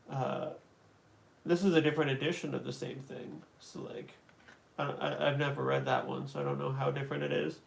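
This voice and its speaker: Gravelly-voiced man chatting on a livestream. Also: medium pitch. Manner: relaxed, rambling, many fillers and restarts. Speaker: livestream host answering chat. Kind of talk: casual livestream chat.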